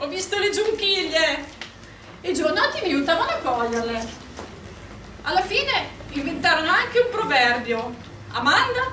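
In a raised, projected voice, a woman talks at a moderate pace with long, frequent pauses, amid light background noise and audible room echo. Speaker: actress performing a monologue. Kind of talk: theatrical monologue. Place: stage.

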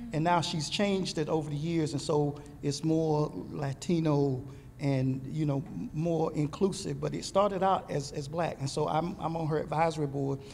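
Over light background noise, a man with a Southern US accent speaks at a moderate pace with fairly even intonation. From North Carolina. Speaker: music professor. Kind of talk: panel discussion, partly reading aloud. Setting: conference stage with audience. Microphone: handheld.

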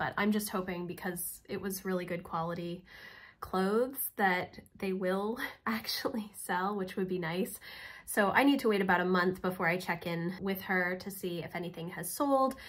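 Somewhat breathy, a woman speaks at a moderate pace with ordinary pitch variation. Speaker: homeschooling parent vlogger. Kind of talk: casual vlog chat. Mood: relaxed and cheerful. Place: home room. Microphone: phone near.

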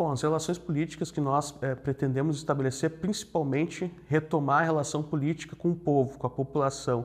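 A man with an unremarkable speaking voice talks with fairly even intonation and hardly any pauses. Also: fairly high pitch for a man, fairly quick pace. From southern Brazil, Rio Grande do Sul. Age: 30s. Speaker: mayoral candidate, party leader; candidate. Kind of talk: political interview. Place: studio.

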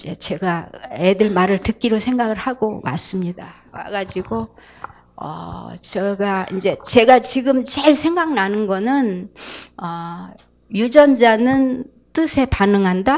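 A woman speaks at a very slow pace with lively intonation. Her loudness swings widely. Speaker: cancer patient participant. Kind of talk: testimony. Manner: halting. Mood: earnest, reflective. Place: hall. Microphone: handheld.

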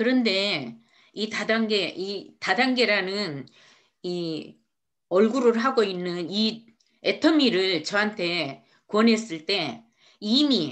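With little noise behind it, the voice moves through lively, varied intonation. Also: woman. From South Korea. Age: 60s. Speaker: network marketing leader; presenter. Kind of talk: testimony. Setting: video call. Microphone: video call.

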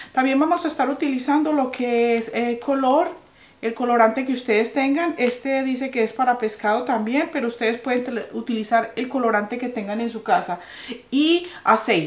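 With audible room echo, a woman with a high voice speaks at a moderate pace using ordinary pitch variation. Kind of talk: cooking tutorial. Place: kitchen.

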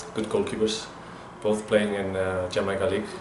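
A man's fairly low, monotone, flat voice in an Icelandic accent at a moderate pace, over noticeable background noise. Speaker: football goalkeeper coach. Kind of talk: interview. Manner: halting. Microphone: webcam.

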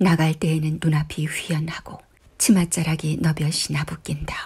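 A woman speaks in a very deep, low pitch with a somewhat breathy quality. Her intonation is monotone and flat, and her pace is fairly slow. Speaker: audiobook narrator. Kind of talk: literary fiction reading for sleep.

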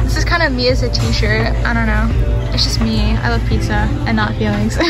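A woman talks fairly quickly while clear music plays behind her. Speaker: shopping vlogger. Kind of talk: casual vlog chat. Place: shop. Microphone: phone near.

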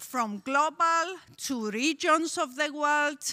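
Against a quiet background, a woman projects a raised voice with a bright, sharp tone at a very slow pace. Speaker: conference speaker. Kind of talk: lecture. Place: hall. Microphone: podium.

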